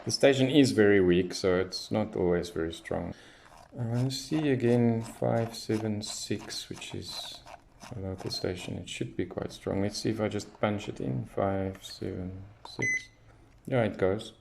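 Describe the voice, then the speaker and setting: A man's voice: fairly low pitch, unhurried, vocal fry, background noise. A man giving casual hands-on commentary as a radio hobbyist, thinking aloud as he tests. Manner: unscripted, thinking aloud while testing.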